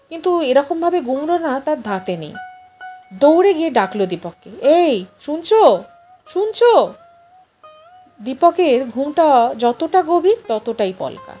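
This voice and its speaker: A woman reads a literary story in a high, very animated voice. Her narration is expressive, and music plays behind her.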